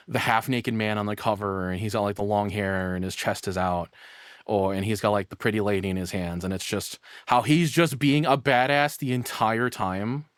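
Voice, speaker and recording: A man's voice: fairly low pitch, clean tone, dry recording, clean studio sound. A man giving casual reaction commentary in a rambling, informal, sweary way. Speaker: reaction streamer.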